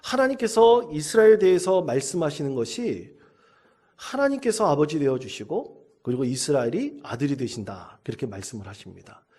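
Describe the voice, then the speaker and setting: A man's voice: on the high side, sing-song, a little fast, dark tone, slightly rough. A male pastor delivering a sermon, reading scripture solemnly and telling a story to the congregation.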